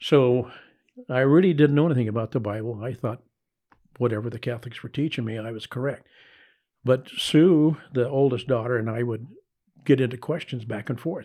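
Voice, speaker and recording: A man with an American accent, medium pitch and a dark, mellow tone, at a fairly quick pace with long, frequent pauses, big swings in loudness and ordinary pitch variation, on a very clean recording with a silent background. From California. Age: 70s. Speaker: church member interviewee. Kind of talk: interview, telling life story. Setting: studio.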